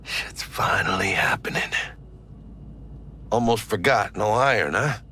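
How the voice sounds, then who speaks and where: An actor playing a brash, hot-blooded street mercenary in a video game, with a gravelly Latino American accent and cocky slang. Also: male voice, on the low side, animated, measured pace, bright, forceful tone, slight background noise. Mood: cocky, excited.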